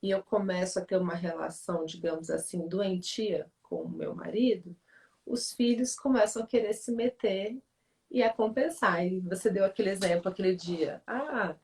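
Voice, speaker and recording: A woman talks through family relationships in a calm, teacherly way, her voice sitting at an ordinary middle pitch. She keeps checking in with her listener. The mic is set a little way back from her, so she sounds slightly removed. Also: normal speed, vocal fry. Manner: reflective, teacherly, frequent "né?" check-ins. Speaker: author and family-relations speaker in a livestream. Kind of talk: explanatory talk in a live conversation. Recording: voice somewhat distant from the mic.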